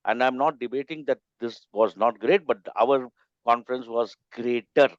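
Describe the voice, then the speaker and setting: A man with an Indian English accent, a member of a coaching chapter, giving opinions in a casual online meeting with emphatic, halting phrasing. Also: medium pitch, no room sound. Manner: opinionated, emphatic, with pauses and restarts. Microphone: video call. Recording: slightly dull call audio.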